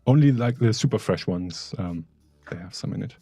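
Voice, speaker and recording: A man co-hosts a live design stream, chatting casually and tossing out wry jokes. His voice sits low and mellow with a husky edge, recorded dry and close. He drifts off with fillers mid-thought. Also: expressive, normal speed, dry recording, faint music behind. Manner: joking, wry, trails off with fillers. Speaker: livestream co-host. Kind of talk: casual live-stream chat while working.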